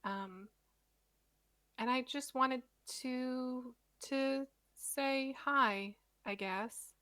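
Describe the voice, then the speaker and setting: Woman playing a shy, halting toy maker. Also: high voice, smooth, exaggerated voice. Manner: halting, soft, full of pauses and fillers. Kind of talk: tabletop role-play in character.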